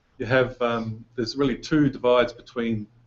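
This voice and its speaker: A man with an Australian accent speaks in a monotone, flat intonation at a moderate pace. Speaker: stormwater engineering consultant. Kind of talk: technical presentation to council. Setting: town council meeting.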